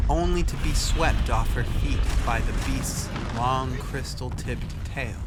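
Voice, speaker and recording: Slow-paced man narrating a dramatic story. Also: mid-range voice, noisy background. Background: music under the voice.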